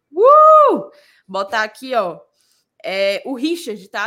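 Speaking at a very slow pace, a woman with a Minas Gerais accent has a bright, sharp tone, captured on a very clean recording with a silent background. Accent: Minas Gerais Brazilian. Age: 20s. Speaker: football fan channel co-host. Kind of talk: live stream football chat.

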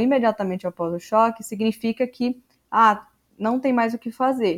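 A woman with an ordinary speaking voice talks at a fairly high pitch on a very clean recording with a silent background. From Brazil, Santos. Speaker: psychotherapist. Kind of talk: casual chat.

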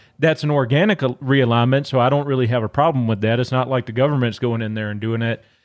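Very fast speech with ordinary pitch variation, in a Southern US accent, over a quiet background. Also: man. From Northeast Louisiana. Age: 20s. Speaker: podcast host. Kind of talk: casual interview conversation. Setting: phone call.

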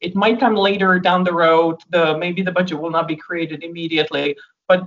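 A woman speaks in a Czech accent at a fairly low pitch. Her intonation is fairly even. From Czech Republic. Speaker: lawyer and diversity consultant. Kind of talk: panel discussion.

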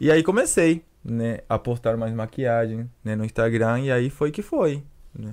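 In a very clean recording with a silent background, a man speaks fairly slowly at a medium pitch with ordinary pitch variation. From Paraguay. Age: young. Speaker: makeup artist. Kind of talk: interview.

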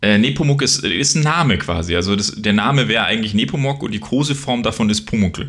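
A man's very fast delivery with vocal fry, very wide pitch swings and hardly any pauses. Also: fairly low pitch for a man. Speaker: podcast co-host. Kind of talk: casual chat.

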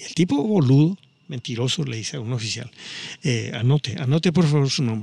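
With a dark, mellow, somewhat breathy tone, a man speaks at a fairly quick pace with lively intonation. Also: medium pitch for a man, big swings in loudness. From Paraguay. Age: 80s+. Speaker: actor and former political prisoner. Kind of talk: testimony. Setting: at his home.

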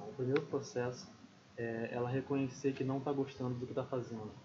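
Somewhat breathy, a man talks at a fairly quick pace and medium pitch. His intonation is fairly even, and there is audible room echo. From Brazil, Rio de Janeiro. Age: 20s. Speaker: blogger. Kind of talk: interview. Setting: at a conference event.

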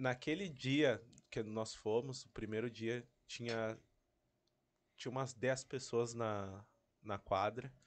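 A man's medium-pitched, fairly even voice at a very slow pace, broken by long, frequent pauses. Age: 30s. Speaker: comedian. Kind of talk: casual chat.

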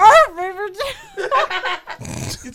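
An extremely high-pitched, put-on character voice. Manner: doglike.

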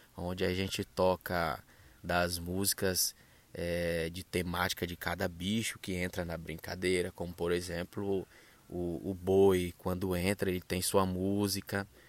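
A man speaks at a fairly slow pace with a very deep, low pitch and monotone, flat intonation. The recording is very clean, with a silent background. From Brazil, Maranhão (Caxias). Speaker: folk dance performer and interviewer. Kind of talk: interview.

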